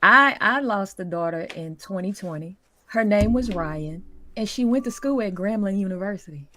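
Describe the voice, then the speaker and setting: A man's voice: high-pitched, animated, normal speed, sharp tone, a little hiss or hum. A man guest-hosting a podcast, talking in an earnest, emphatic way. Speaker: podcast co-host. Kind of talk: casual podcast chat.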